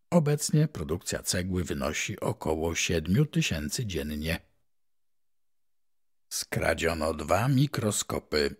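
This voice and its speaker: A seasoned male voice-over reader and journalist reads old newspaper items aloud in a steady, announcer-like manner. His voice sits low and carries a husky grain. His intonation rises and falls with lively emphasis. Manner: measured, announcer-like delivery.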